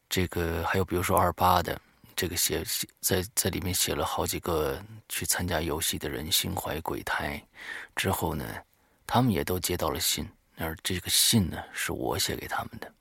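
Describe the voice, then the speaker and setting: A low, gravelly man hosts an audio show, talking informally to listeners. His voice is husky and recorded very dry. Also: fairly bright tone, dry recording. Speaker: horror audio show host. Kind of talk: semi-scripted talk to listeners.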